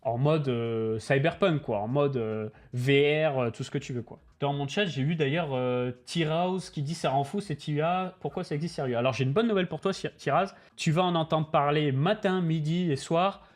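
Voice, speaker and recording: A man's voice: a little high, normal speed, few pauses. A man hosting a livestream, talking casually, bluntly and animatedly, with lots of slang and swearing. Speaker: crypto channel host.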